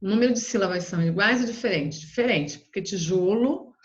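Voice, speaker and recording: Brazilian woman teacher, patient step-by-step explainer, mid-pitched voice, dull lo-fi sound. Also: brisk. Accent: Brazilian Portuguese. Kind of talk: homework walkthrough for young pupils.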